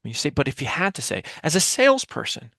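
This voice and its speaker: Emphatic man with a gravelly edge. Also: fairly high pitch, huge pitch swings, quick pace, pushed and bright, no echo, clean studio sound. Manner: emphatic, rhetorical questions, repeats phrases for emphasis. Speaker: guest, communication expert and author. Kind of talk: explanatory interview talk with acted-out example dialogue. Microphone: headset mic on a video call.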